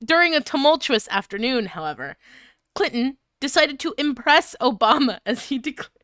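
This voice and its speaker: A woman with a bright, fairly high voice reads fanfiction on a stream in a clean, dry sound. Her pitch moves around a lot, and she comes across as giggly and easily flustered. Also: expressive, normal speed, no room sound. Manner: giggly, flustered, breaking up while reading. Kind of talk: live fanfiction reading with casual chat.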